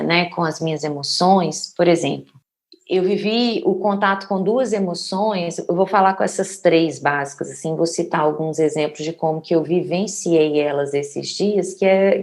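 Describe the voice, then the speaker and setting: A woman from Brazil talks through her thoughts in a relaxed podcast chat. She speaks reflectively and keeps checking in with small tag questions as she goes. Her tone stays conversational and searching. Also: fairly low pitch, vocal fry. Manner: thoughtful, searching for words, many "né?" tags. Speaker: podcast co-host.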